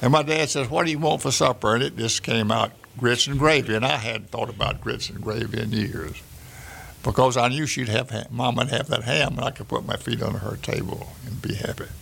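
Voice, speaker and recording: A man with a Mississippi accent talks over noticeable background noise. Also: medium pitch for a man, ordinary pitch variation. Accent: Southern US, Mississippi. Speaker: WW2 veteran. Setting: studio. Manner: unhurried, folksy and wry, chuckling as he tells the wine-car anecdote.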